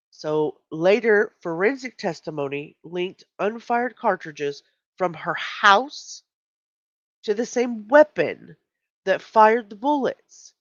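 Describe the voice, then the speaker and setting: A woman's voice: fairly low pitch, no room sound. A woman hosting a casual livestream, chatty and emphatic, with a stuffy nose. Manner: chatty, reacts to chat, emphatic. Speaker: livestream host. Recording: dull lo-fi stream audio.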